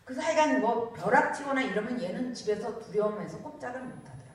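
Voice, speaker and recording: A woman pastor preaching a sermon, telling the story in an animated, storytelling way. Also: on the high side, quick pace. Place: church. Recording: echoey church hall from far off.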